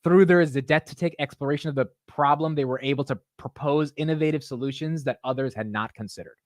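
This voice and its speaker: A man's voice: on the high side, a little fast, no room sound, clean studio sound. A young man hosting a casual livestream, talking animatedly and jokingly with his chat viewers. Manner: animated, self-mocking, talks to chat. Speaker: livestream host.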